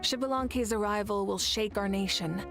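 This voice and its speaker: A composed woman leader speaks with steady, reassuring calm, voiced by a woman. Her voice sits at a middle pitch over clear game music. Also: moderate pace, lightly acted. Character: calm, confident female leader. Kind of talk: game voice acting.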